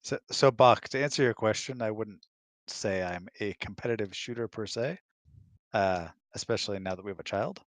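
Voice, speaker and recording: A man's voice: lowish voice, normal speed, no echo. A man chatting casually as a guest and answering questions in a laconic, dry-humored way. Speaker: guest, host's husband.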